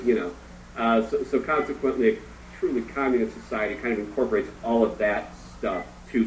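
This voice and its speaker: Over noticeable background noise, a man with a medium pitch talks at a fairly quick pace with ordinary pitch variation. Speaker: philosophy podcaster. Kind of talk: casual chat. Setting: hospital room, remote.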